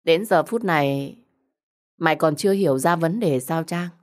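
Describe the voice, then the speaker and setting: A cruel, two-faced young woman, acted out by a female storyteller, talks down to her victim in an audio story. Her voice sits a little low, and she is smug, taunting and thick with sarcasm. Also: moderate pace, lightly acted. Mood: smug, mocking.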